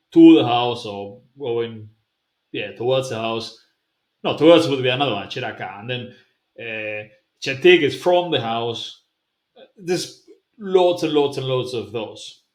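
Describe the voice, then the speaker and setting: Male vlogger, loose musing delivery, mid pitch, echoey room. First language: Basque. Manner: conversational, musing, loose explanations. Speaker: language-learning vlogger. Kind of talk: casual vlog, thinking aloud to camera. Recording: roomy echoing room.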